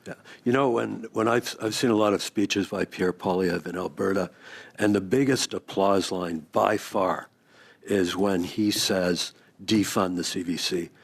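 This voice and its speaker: A man's voice: deep voice, steady tone, measured pace, vocal fry, breathy edge. A man putting pointed, pressing questions in a formal hearing, as a committee member addressing a witness.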